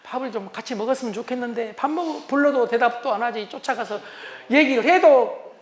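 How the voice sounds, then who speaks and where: Brief: male lecturer, very high for a man, lively storytelling delivery in a comedic talk. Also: a little fast. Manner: animated, acts out spouses' lines. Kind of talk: humorous lecture.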